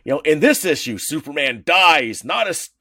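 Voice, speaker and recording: A male podcast co-host talking in a loose, rambling way, often breaking off and restarting mid-sentence. His pitch swings widely as he talks. The recording is dry and close, with no room sound. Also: normal speed, dry recording. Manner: rambling, animated, many restarts. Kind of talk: casual chat.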